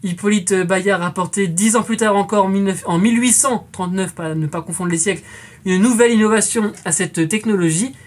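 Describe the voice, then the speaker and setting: A woman's voice: medium pitch, brisk. A woman in her twenties hosting a scripted educational quiz, chatty and playful, calling her viewers friends and adding jokey asides. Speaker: quiz show host.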